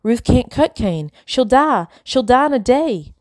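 A woman's voice: mid-range voice, moderate pace, a little mellow, no echo, natural voice. Woman playing a fierce, desperate young girl. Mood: frantic. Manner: urgent, defiant, insistent. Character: fierce, desperate enslaved young girl protecting her sister.

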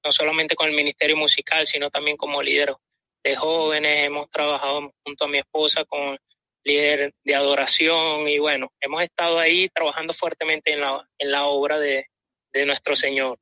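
Bright-voiced man, hesitant. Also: a little high, flat delivery, moderate pace, no echo, low-quality recording. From Venezuela. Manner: hesitant, many fillers, laughs. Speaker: guest musician. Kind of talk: live interview.

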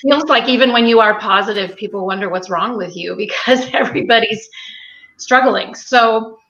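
Chatty woman guest, bright tone, dull lo-fi call audio from a kitchen. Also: fairly high pitch, normal speed. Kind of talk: casual video call chat. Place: home kitchen. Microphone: video call.

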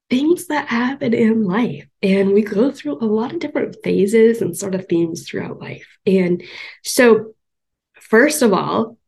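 A woman's voice: medium pitch, husky. A woman hosting her podcast, chatting upbeat with many fillers and restarts, a bit congested and stuffed up. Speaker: podcast host. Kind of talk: solo podcast talk.

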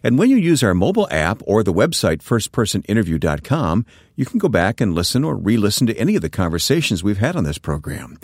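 A man hosts a radio interview show, reading his introduction and guiding the talk in a measured broadcaster's manner. His voice is very low yet moves a lot in pitch. The sound is dry and close. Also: huge pitch swings, a little mellow, slightly rough, no room sound.

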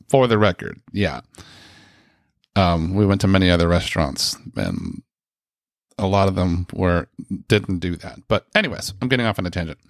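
A man from the States tells a story in a loose, chatty way, full of fillers and side tangents. His voice sits fairly low. The recording is dry and close, with almost no room sound. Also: fairly bright tone, dry recording. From United States. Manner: rambling, chatty, lots of fillers and asides. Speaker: speaker sharing a personal story. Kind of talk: casual storytelling.

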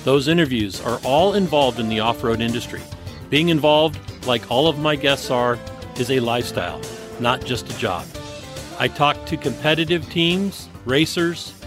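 A man from Northern California hosting an off-road interview podcast, reading his intro and ads, then chatting with his guest. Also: mid-range voice. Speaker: podcast host.

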